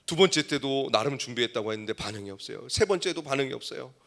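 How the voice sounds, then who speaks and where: A middle-aged male pastor preaching a sermon, telling a story and swinging between hushed asides and loud exclamations. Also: mid-range voice, lively intonation, fast, creaky.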